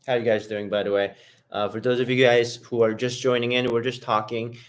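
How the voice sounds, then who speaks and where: Male streamer host, relaxed rambling chat to the chat room, mid-pitched, eating on camera. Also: brisk. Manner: loose, rambling, talks straight to viewers in chat; eats while talking. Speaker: livestream host. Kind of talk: casual live-stream chat.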